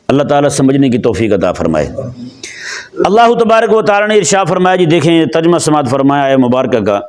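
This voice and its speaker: A man from Pakistan giving a sermon, talking conversationally to a seated gathering, asking them questions and slowing down to recite scripture. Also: fairly high pitch. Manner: conversational, asks the audience questions; slows down for Quranic recitation. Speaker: Islamic preacher.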